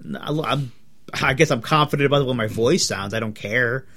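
A man's voice: medium pitch, brisk, pushed and bright. Blunt, crude-talking young man. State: sick. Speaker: podcast co-host. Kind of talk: casual chat.

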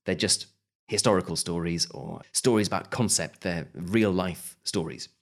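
A man answering as a podcast guest, speaking in a measured, thoughtful way with frequent hedges and restarts. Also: low voice, gravelly. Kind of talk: remote podcast interview.

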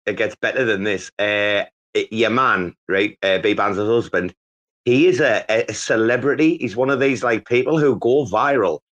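A man's voice: fairly low pitch, normal speed, fairly bright tone. A man hosting a casual live chat, telling a rambling story full of swearing.

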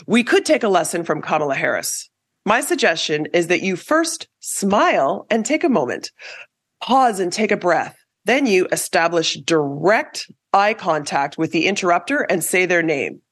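Lively woman giving communication advice. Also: lowish voice. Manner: lively, emphatic coaching delivery. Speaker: podcast host. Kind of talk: scripted advice talk.

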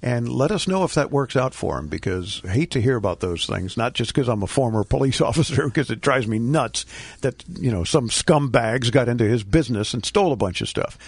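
A man's voice: mid-range voice, lively intonation, a little fast, gravelly, breathy edge, no room sound. A man hosting a radio tech show, chatty and joking as he answers questions. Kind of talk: casual radio talk.

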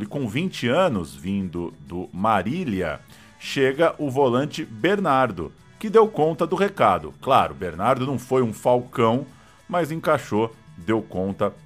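Brazilian football co-host, lowish male voice. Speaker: football history show co-host. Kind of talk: conversational football storytelling. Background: music.

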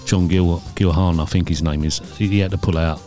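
A man's voice: deep voice, fairly even intonation, a little fast, mellow, soft background music. A man hosting a podcast, teasing his co-host and telling stories bluntly. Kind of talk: casual chat.

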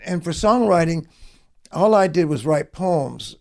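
A middle-aged man, a songwriter telling stories in an interview with lively acted-out quotes. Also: a little high, measured pace, creaky. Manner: folksy, animated storytelling with acted-out quotes. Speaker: songwriter guest. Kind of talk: storytelling interview.

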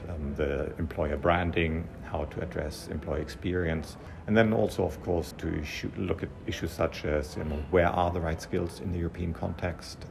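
Low, gravelly man at a noisy conference. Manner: measured, explanatory, with hesitations. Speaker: industry analyst. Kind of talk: conference interview answer. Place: conference venue.

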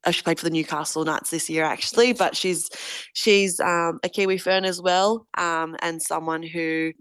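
Woman in her twenties, interview guest: low-pitched, smooth, earnest and thoughtful, dry close sound. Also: steady tone, moderate pace, no echo. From Australia. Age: 20s. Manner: earnest, reflective, thinks aloud. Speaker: guest, rugby league captain. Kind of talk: casual interview answers.

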